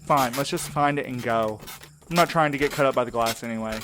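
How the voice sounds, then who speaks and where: A man's voice: mid-range voice, a little fast, noisy background, natural voice. A man playing a wry, exasperated, wary supernatural mail courier in an audio drama, talking in a colloquial, needling way. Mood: urgent, spooked.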